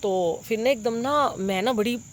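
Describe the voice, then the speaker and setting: A middle-aged woman telling a congregation about a dream. She sounds full of wonder and earnest, with lots of pauses and fillers, recorded on a phone propped nearby. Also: fairly high pitch, slight background noise. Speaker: devotee sharing a dream with a congregation. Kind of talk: devotional storytelling.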